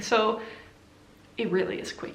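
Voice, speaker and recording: A woman with a non-native accent, amid noticeable background noise and audible room echo. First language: not English. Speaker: knitting podcaster. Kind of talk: casual chat. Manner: rambling, hesitant with fillers.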